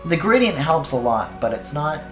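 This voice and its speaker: A man's voice: fairly high pitch, big pitch swings, moderate pace, reverberant, music in the background. A young man streaming himself drawing, chatting casually, swearing and trailing off mid-thought. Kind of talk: casual chat while drawing.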